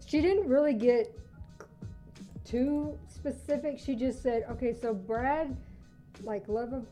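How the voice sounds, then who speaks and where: A woman in her late forties co-hosting a casual podcast, her voice dark and mellow. She tells a story with hesitant fillers along the way, and faint music plays underneath. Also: high voice, slow. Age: 40s. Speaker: podcast co-host. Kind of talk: casual chat.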